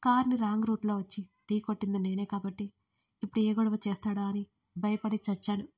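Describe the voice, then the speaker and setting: A woman's voice: medium pitch, level tone, fairly quick, a little mellow, husky. A woman narrating a first-person audio story in an intimate, emotional way.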